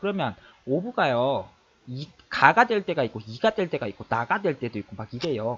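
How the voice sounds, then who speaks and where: Lively intonation marks this man's speech, pitched in the middle of his range. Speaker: English grammar teacher. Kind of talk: lecture. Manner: fast.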